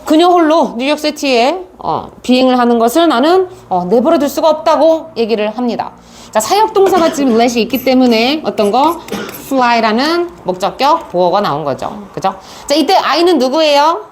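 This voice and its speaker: A woman's voice: high-pitched, lively intonation, normal speed, a little hiss or hum. A woman teaching an English reading lesson in a chatty, storytelling way, with asides to her students. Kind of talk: casual classroom lecture.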